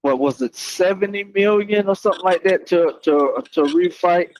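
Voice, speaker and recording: A man chatting casually as a panelist, halting and roundabout, often saying "you know". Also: high voice, darkish tone, dry recording, low-quality recording. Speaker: panelist asking a question. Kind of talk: casual chat.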